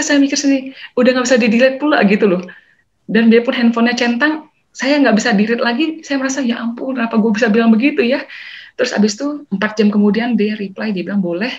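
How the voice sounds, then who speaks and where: A woman giving a church testimony, telling her story vividly, acting out what others said and mixing in English phrases. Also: fairly high pitch. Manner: lively storytelling, acting out quoted dialogue. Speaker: testimony speaker. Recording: dull lo-fi recording.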